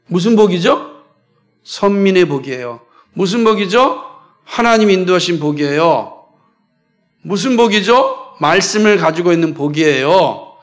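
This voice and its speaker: Male pastor from South Korea, high-pitched, emphatic sermon delivery, keeps quizzing the congregation. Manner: emphatic, poses repeated questions to the congregation.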